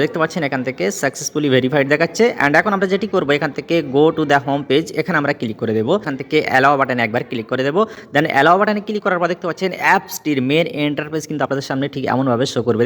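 A man's voice: on the high side, fairly bright tone. A man narrating a step-by-step app tutorial as host, emphatic and repetitive, mixing English connectives into his talk. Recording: long reverberant echo on voice.

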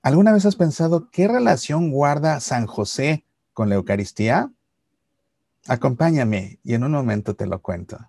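A middle-aged man giving a Catholic reflection to camera, explaining patiently and slowing for solemn lines. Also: mid-range voice, expressive, vocal fry, husky. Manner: warm explanatory storytelling, slows for solemn lines. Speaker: Catholic YouTuber. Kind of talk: reflective religious talk to camera. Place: Seattle archdiocese series.

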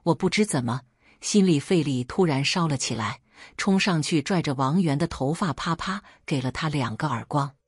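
A woman narrating a first-person story in a steady, measured reading. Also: low voice, breathy edge, no echo, studio quality.

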